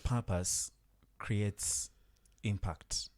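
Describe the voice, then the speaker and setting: A man interviews a guest in a radio studio. His voice is deep and dark, with a relaxed tone. He phrases things thoughtfully and a bit hesitantly, dropping in brief affirmations. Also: drawn-out words.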